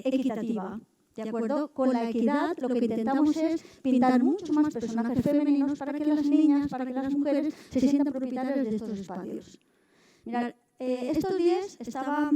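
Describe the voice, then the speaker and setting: Woman lecturer, high and super mellow voice, sounds far from the mic, keeps checking the class is with her. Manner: explanatory, addresses the class directly with checks for understanding. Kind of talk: university summer course lecture.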